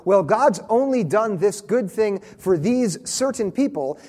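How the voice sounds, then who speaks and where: A man preaching a sermon, earnest and emphatic, slowing down to stress key phrases. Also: high-pitched, mellow. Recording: long reverb of a large hall.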